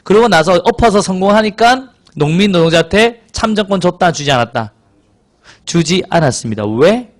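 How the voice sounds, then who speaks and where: A man's voice: sits high, moderate pace. A male exam lecturer teaching a class, teasing students and acting out little scenes in quoted voices. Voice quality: hoarse from excitement. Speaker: civil service exam social studies lecturer.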